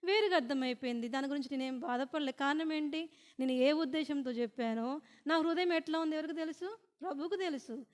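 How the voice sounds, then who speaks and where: A woman preaches at a women's meeting, her voice pitched high. She asks the listeners questions and then answers them herself. Her words ring on in a long reverb from the prayer hall. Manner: reads scripture slowly and deliberately. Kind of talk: sermon.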